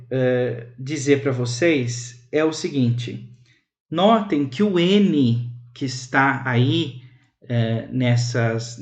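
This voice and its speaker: Brief: young Brazilian man, university instructor, unhurried lecture, sounds out each word. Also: mid-range voice, darkish tone, lo-fi sound. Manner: slow, careful, drawn-out pronunciation examples. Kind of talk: online lecture on phonetics.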